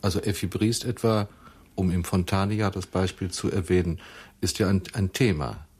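A man's voice: sits low, moderate pace, a little mellow, slightly rough. A man conducting a formal interview, asking probing questions.

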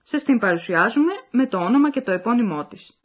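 A woman's voice: a little high, lively intonation. A woman reading the scripted narration of a language course, explaining and addressing the listeners. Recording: dull lo-fi recording.

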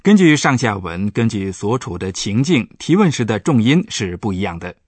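Man, professor, radio language lesson, husky low voice, dry close sound. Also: sing-song, normal speed, a little mellow, no echo. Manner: patient, explanatory, stresses example words.

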